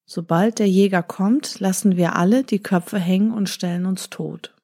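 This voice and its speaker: A woman narrating a storybook tale in a calm, measured manner. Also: medium pitch. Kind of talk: storybook reading.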